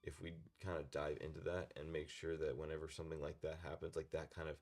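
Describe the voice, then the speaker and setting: A man's voice: extremely low pitch, flat delivery, fast talker, a little mellow. A man co-hosting a casual podcast, talking about faith and dreams in a rambling way, often restarting mid-word. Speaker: podcast co-host.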